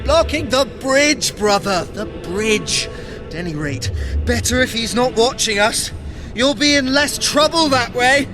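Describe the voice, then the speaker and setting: An actor playing a smug, sardonic trickster god with a dry, self-satisfied manner in an audio adventure drama. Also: male voice, very high-pitched, lively intonation, measured pace. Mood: sardonic, teasing. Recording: music behind the voice.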